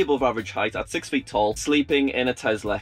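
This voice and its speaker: Faint music plays behind a man speaking at a very fast pace. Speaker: car vlogger. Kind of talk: casual vlog chat. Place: car.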